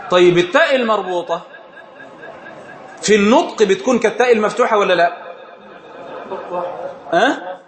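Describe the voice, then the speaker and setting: A man's voice: high voice, normal speed, long pauses, crowd noise. A man with an Egyptian Arabic accent teaching an informal religious lesson, often quizzing his listeners and laughing as he explains. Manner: questioning the audience, laughing often. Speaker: sheikh teaching a religious study circle. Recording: echoey room.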